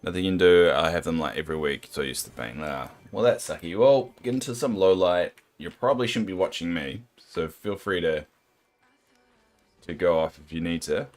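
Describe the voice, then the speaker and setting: A young adult man with a New Zealand accent and a deep, soothing voice, chatting casually and self-deprecatingly with his viewers while playing a game. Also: a little fast. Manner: rambling, self-deprecating, sympathetic. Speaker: game streamer.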